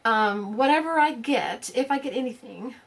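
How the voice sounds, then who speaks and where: With slight background noise, a woman in her 50s chats casually to viewers of her craft channel, rambling and full of fillers and restarts. Her voice is fairly high, animated, and creaky, at a normal speed.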